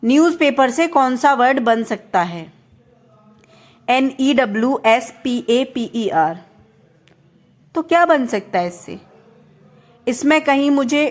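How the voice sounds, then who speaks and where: A young woman from India with a high voice teaches a reasoning lesson. She works through each question step by step and keeps checking whether the viewer is following. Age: young adult.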